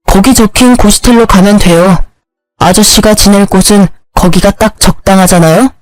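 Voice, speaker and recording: A woman's voice: mid-range voice, normal speed, darkish tone, no echo, soft background music, lightly acted, poor audio. A woman reading the part of a clever young adult son who speaks with cool, mocking politeness.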